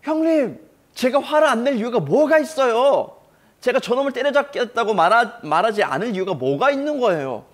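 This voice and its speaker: A man's voice: extremely high pitch, very animated, normal speed, pitched above the performer's own voice, heavily acted. A man voicing a bold young shepherd boy who speaks with fearless indignation. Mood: defiant. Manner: defiant, indignant outbursts.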